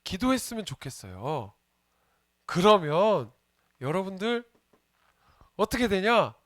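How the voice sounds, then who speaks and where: Slow and sing-song, a high-sitting male voice carries this children's sermon. The junior pastor keeps it playful, posing questions to the kids and cracking jokes with them. Clean studio sound, no echo.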